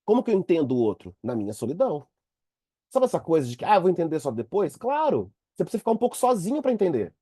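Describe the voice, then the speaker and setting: Animated man lecturing. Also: fairly high pitch, fast talker, slightly rough, dry recording. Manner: animated, talks to students directly. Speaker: psychoanalysis teacher. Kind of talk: lively online lecture.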